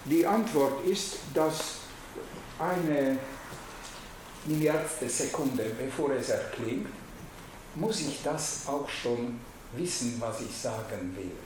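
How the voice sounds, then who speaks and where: A man with a Hungarian accent gives a reflective lecture, halting and searching for words, with frequent restarts. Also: mid-range voice, lively intonation, background noise. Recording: very echoey room.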